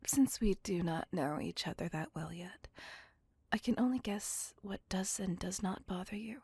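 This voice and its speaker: A woman voicing a courteous, possessive female vampire on a date, speaking in a soft, formal and reassuring whisper. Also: medium pitch, breathy edge, no echo. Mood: tender whisper. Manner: formal, slow, intimate and reassuring. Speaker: voice actor. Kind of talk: ASMR roleplay.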